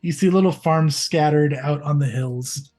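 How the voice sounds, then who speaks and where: A man's voice: on the high side, measured pace, darkish tone. A man running a tabletop game as game master, describing scenes in a loose, chatty way with lots of fillers.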